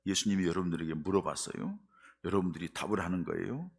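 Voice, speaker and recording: Male pastor, sermon; husky and gravelly, lower voice, lively storytelling that builds to emphasis. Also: quick pace. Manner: animated storytelling, rising to emphatic; leads the congregation in call and response.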